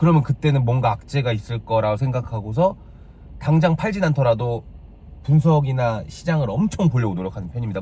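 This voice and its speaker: A man talks at a fairly quick pace with a medium pitch. His intonation is lively. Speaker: stock investing vlogger. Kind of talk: casual monologue vlog. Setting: commuting to work. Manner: stumbling over words.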